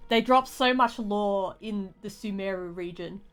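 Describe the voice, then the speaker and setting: A woman game streamer giving casual live commentary, rambling and halting as she thinks aloud. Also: mid-range voice, fairly bright tone, soft background music.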